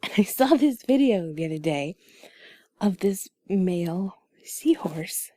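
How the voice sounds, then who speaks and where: Breathy, slow-talking woman in cuddly intimate chat. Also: on the low side, lively intonation, no room sound, clean studio sound. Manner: soft and breathy, often dropping into whispers; playful, giggly, rambling and halting. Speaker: intimate audio performer telling stories to the listener. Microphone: close mic, dry sound.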